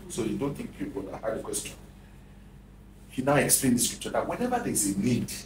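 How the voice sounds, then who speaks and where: Over light background noise and audible room echo, a man is speaking. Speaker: preacher. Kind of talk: sermon. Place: church.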